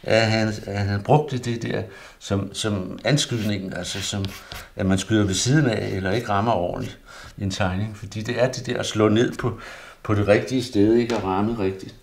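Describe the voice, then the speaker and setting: Artist, male, low gravelly voice, rambles and mutters to himself while drawing. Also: fairly even intonation. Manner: rambling, self-murmuring, often drops to a near mutter. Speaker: artist demonstrating pastel drawing. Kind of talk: thinking aloud while drawing.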